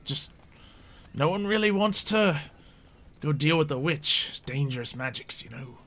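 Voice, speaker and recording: Man playing a wary, halting tavern patron. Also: fairly high pitch, animated, crowd noise, voice pushed up. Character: wary tavern patron gossiping about local dangers.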